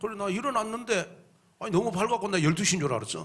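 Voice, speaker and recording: High-pitched and animated in tone, a man speaks at a fairly quick pace with ordinary pitch variation. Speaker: pastor. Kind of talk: sermon. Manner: animated, conversational.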